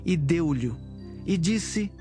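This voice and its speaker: Male narrator, fairly high voice, measured phrasing, scripted scripture drama, soft music bed. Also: animated.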